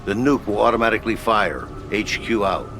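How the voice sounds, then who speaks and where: An actor playing a headquarters radio operator in a video game, giving brisk, matter-of-fact mission briefings. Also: male voice, on the low side, animated, over music.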